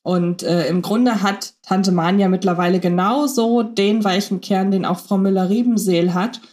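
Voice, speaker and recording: A woman's voice: mid-range voice, steady tone, moderate pace, a little mellow. Woman cohost chatting about old radio plays, fillers everywhere, restarts mid sentence. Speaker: podcast co-host.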